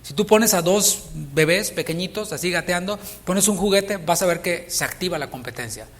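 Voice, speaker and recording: A man's voice: sits high, normal speed, a bit bright, long reverb tail. A Mexican man preaching a sermon as pastor, speaking conversationally and asking his listeners questions. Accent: Mexican Spanish. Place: church sanctuary.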